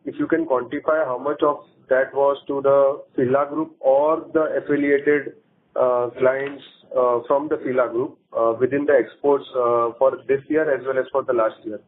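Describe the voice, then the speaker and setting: A man's voice: mid-range voice, steady tone. Polite Indian-accented male analyst, phone-quality sound. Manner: polite, halting, rephrasing as he asks. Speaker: analyst asking questions. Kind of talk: earnings call questioning. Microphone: phone conference call. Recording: tinny, radio-like phone line.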